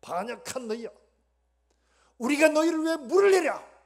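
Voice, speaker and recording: A man voicing an enraged old male prophet shouting at a rebellious people, in a Gyeongsang accent with a husky tone. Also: very high voice, big pitch swings, normal speed, pitched above the performer's own voice, heavily acted. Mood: furious.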